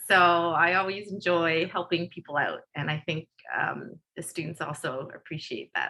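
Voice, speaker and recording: A woman's bright, sharp, fairly low voice in a Canadian accent, flat and monotone. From Canada, Toronto. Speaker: community volunteer. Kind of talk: interview. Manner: fast.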